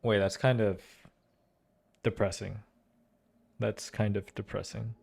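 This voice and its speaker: A young man giving casual, slangy play-through reactions as an excitable gaming fan. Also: fairly low pitch, slow, creaky, breathy edge. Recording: game music behind voice.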